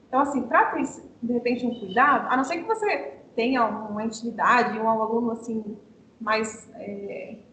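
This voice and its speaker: A woman's voice: moderate pace, fairly bright tone. A Brazilian woman leading an online teacher training session, explaining step by step and answering her own questions. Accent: Brazilian Portuguese. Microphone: video call. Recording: echoey room with faint rumble.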